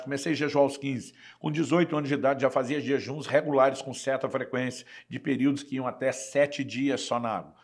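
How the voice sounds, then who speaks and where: A middle-aged man with a Brazilian Portuguese accent, a pastor giving an earnest, measured teaching sermon mixed with personal testimony. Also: mid-range voice, gravelly.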